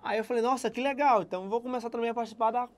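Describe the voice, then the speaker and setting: A young man from Salvador with a Bahian accent, a guest telling his career story in relaxed casual chat and laughing at himself. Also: very high-pitched, racing. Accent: Bahian Brazilian Portuguese. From Salvador, Brazil. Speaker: guest software engineer.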